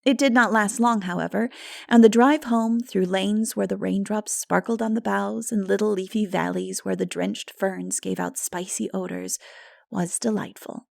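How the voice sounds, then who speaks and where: A woman reading literary narration as an audiobook narrator, in an expressive, measured storytelling manner. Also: mid-range voice, vocal fry, dry recording, studio quality.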